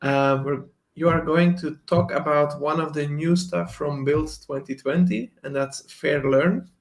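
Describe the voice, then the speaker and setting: Male host, gravelly, slightly high, friendly loose chat. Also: measured pace. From Belgium. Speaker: live show host. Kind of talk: casual hosting.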